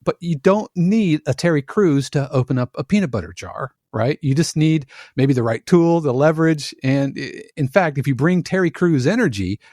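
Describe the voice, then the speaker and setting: A man guest on a podcast, explaining his trade in casual conversation, animated and full of analogies, often restarting his sentences. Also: fairly high pitch, normal speed, hardly any pauses, dry recording, studio quality. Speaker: podcast guest, production music composer.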